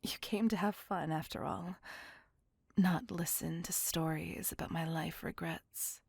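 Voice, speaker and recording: A woman voicing a possessive, devoted female vampire on a date, speaking in a soft, close, apologetic and doting whisper. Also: fairly low pitch, fairly even intonation, a little slow, vocal fry, slightly rough, no room sound, exaggerated voice. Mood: tender whisper. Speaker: voice actor. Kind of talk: ASMR roleplay whispering.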